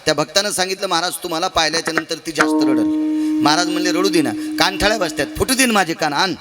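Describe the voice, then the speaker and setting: A man preaching a devotional kirtan sermon, telling stories dramatically with sudden swings in pitch and loudness, asking the audience rhetorical questions and stretching some phrases into a half-sung chant. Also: fast, over loud music.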